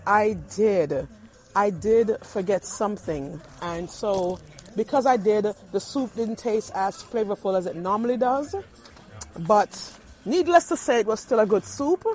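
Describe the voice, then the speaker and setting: A chatty woman from Brooklyn, New York, a radio show host, phones into a radio show while shopping indoors in a small Caribbean grocery store. She's an animated storyteller with playful asides and laughs, speaking at a slow pace in a medium-pitched voice.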